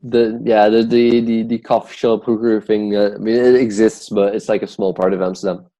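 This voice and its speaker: A man's voice: on the low side, flat delivery, normal speed, warm tone, no room sound, lo-fi sound. A man from the Netherlands with a Dutch accent tinged with British English, chatting casually as a podcast guest and filling his talk with "like". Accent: Dutch with some British English. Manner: rambling, heavy use of "like". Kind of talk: casual conversation.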